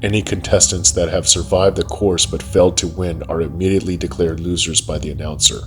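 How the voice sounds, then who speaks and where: A man reading scripted horror fiction in a measured, formal ASMR narration style. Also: low voice, steady tone. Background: music.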